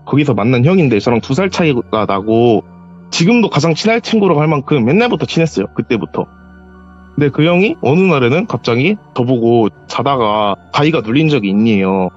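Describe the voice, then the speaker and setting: Over a muffled phone connection, an animated man briskly tells a ghost story from his own life for a call-in horror segment. He acts out other people's lines with sharp jumps in pitch, and soft music plays faintly in the background.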